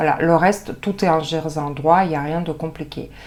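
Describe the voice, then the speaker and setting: A woman speaks with a Russian accent at a very deep, low pitch. Her intonation is fairly even. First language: Russian (speaking French). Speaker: knitting podcaster. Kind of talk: casual knitting podcast, improvised. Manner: halting, many fillers.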